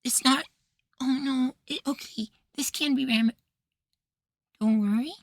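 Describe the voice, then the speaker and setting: ASMR roleplay: young femboy househusband, played by a man, sweet and easily flustered; soft feminine tone, unhurried delivery, close dry sound. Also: very high-pitched, no echo. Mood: flustered, upset. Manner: coaxing, gently praising, sweetly apologetic.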